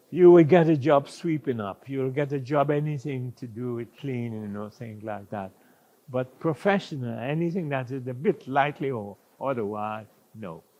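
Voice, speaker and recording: Lively intonation and big swings in loudness mark this dark, mellow voice, delivered at a moderate pace. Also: man, medium pitch for a man. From Trinidad. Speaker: war veteran. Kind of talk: interview. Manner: halting.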